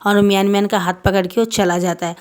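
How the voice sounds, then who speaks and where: Flat-voiced woman telling a fan story. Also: mid-range voice, fast talker, clean tone. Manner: rambling, self-correcting mid-sentence. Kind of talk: casual story narration.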